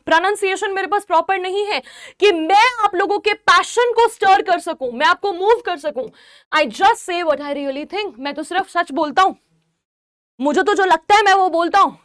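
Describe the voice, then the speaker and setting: Woman teacher, very high voice, dry close sound, line-by-line explaining, repeats herself to check understanding. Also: a bit bright, no echo. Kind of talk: exam-prep literature lesson.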